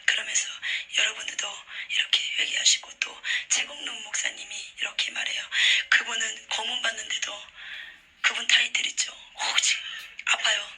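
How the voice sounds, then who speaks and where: A woman preacher giving a religious testimony in an earnest, emphatic way, much of it hushed and breathy. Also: on the high side, little pitch movement, moderate pace, soft background music, rough recording. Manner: hushed, breathy whispering delivery.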